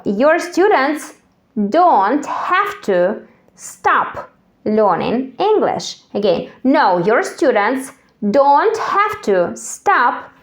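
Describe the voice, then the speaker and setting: A woman from Kazakhstan whose first language is Russian, teaching an English lesson and repeating each phrase slowly and clearly for learners to echo. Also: on the high side. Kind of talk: slow drill-style language lesson.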